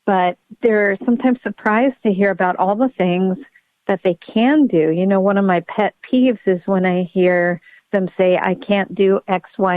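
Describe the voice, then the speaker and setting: A woman's voice: on the low side, no room sound. A woman pediatric neurologist speaking as a podcast guest, explaining her work earnestly and upbeat. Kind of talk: podcast interview. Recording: dry tinny phone-like line.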